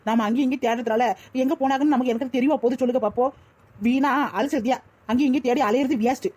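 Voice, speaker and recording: An earnest young pregnant wife from a cartoon, voiced by a woman, reassuring her elders in a Tirunelveli Tamil accent. She talks very fast in a high but mellow voice. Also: fairly even intonation. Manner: reassuring, reasoning. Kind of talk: cartoon voice acting.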